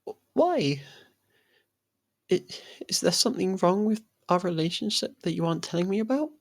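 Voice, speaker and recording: A lovestruck faerie royal, voiced by a performer, speaks in a mid-pitched voice for an intimate ASMR roleplay. The delivery is soft and halting, tender yet anxious, with a clingy, possessive streak. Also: animated. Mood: anxious, pleading.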